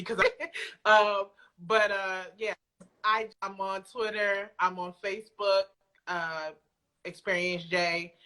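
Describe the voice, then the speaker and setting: A woman's voice: medium pitch, sharp tone. A woman chatting casually as an interview guest, candid and informal with some swearing. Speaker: podcast guest, poet and audio drama creator. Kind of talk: casual chat.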